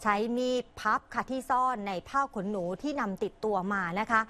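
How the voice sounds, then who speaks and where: A woman news reporter narrating a crime story in a brisk, polite news delivery. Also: a little high, sharp tone.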